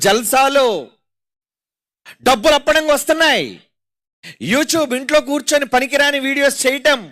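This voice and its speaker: A man's voice: very high voice, sharp tone. A man preaching a sermon at an open public meeting, dramatic, with rhetorical questions and repeated phrases.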